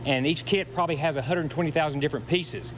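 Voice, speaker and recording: A man's voice: on the high side, fast. A man speaking as a utility spokesman, giving plain explanatory answers in a news interview. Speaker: power company spokesman being interviewed. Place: warehouse. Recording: faint hum behind.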